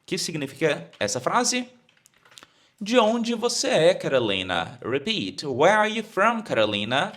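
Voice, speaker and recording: A Brazilian English teacher with a Brazilian Portuguese accent, lively and bright in tone. He talks slowly and repeats each phrase so learners can copy it. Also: fairly high pitch. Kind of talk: explaining an English lesson.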